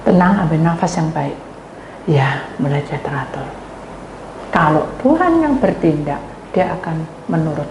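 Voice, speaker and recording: A woman pastor with a Javanese accent, preaching a sermon as animated storytelling that addresses the congregation. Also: deep voice, measured pace, dull audio. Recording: echoey hall with faint noise.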